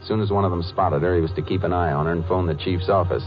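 Man playing a deep-voiced, unruffled Texas lawman. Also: fairly even intonation, music in the background, natural voice. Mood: measured narrating. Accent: American. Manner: dry, deliberate, unruffled. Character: stern, shrewd Texas Ranger, calm and dogged. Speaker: lead investigator and narrator. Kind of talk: 1950s radio drama acting. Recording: dull 1950s radio recording.

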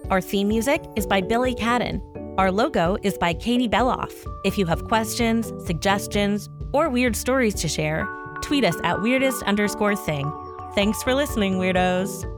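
A woman hosting a podcast, relaxed and easy to laugh, chatting and then closing the show. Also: mid-range voice, normal speed, over music. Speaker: podcast host. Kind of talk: casual chat and show outro.

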